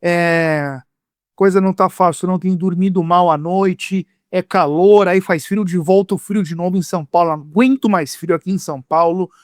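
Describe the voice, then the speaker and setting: A Brazilian man hosting a lively sports podcast in a playful, theatrical way, his voice rough from being sick. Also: high-pitched, fairly quick, hardly any pauses, dry recording, studio quality. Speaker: podcast host.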